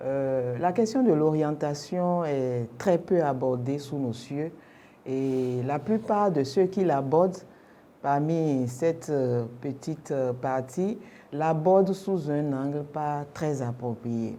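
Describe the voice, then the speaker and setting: Using a Yoruba accent, a woman with a very deep, low pitch and a dark, mellow tone speaks at a very slow pace with ordinary pitch variation. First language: Yoruba (speaking French). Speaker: school guidance specialist. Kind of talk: radio interview.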